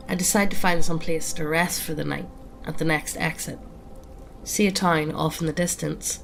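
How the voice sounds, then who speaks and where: A woman's voice: on the low side, vocal fry. A woman reading scary stories aloud in a casual, swearing storytelling manner. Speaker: horror story narrator. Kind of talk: scripted horror story narration.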